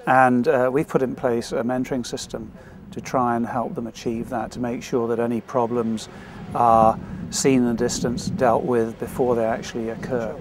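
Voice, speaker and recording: A man's voice: medium pitch, little pitch movement, normal speed, noisy background. A man explaining a programme as its spokesman in interview style. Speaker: sports academy spokesman.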